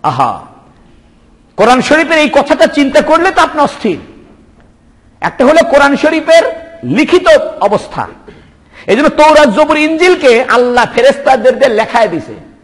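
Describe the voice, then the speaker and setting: A man's voice: very high-pitched, sing-song, moderate pace, long pauses, in a large hall. A man preaching a sermon, impassioned, firing rhetorical questions and repeated exclamations of praise. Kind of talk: Bengali waz sermon.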